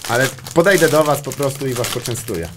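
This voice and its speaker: A man's voice: mid-range voice, fast talker, noisy background. Young guy podcast host, rambly crude storytelling, mid voice, tosses in english bits. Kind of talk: casual comedic chat.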